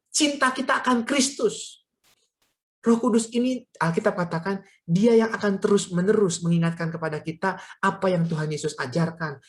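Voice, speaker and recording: A woman preaching a sermon at a prayer meeting, telling stories and speaking directly to her listeners as friends. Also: mid-range voice. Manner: storytelling, addressing listeners as friends.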